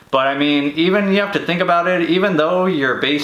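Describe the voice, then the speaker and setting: A man with an American accent talks at a fairly quick pace, with noticeable background noise and audible room echo. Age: 20s. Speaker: auto mechanic and video creator. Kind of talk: casual vlog monologue. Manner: casual, filler-heavy.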